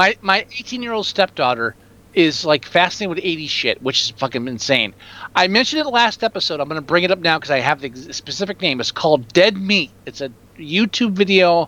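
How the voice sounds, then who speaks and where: The voice has an animated tone, a bright, sharp sound and very wide pitch swings, moving at a fairly quick pace. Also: man, high pitch for a man. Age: 40s. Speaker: podcast host reviewing bad movies. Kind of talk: casual chat.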